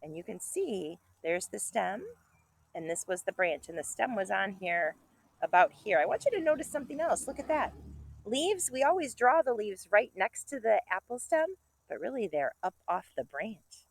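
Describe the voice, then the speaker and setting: A woman kindergarten teacher reading to young children, enthusiastic and expressive, breaking off for chatty asides and questions to her listeners. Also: mid-range voice, normal speed, vocal fry, slight background noise. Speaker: kindergarten teacher reading a picture book to pupils.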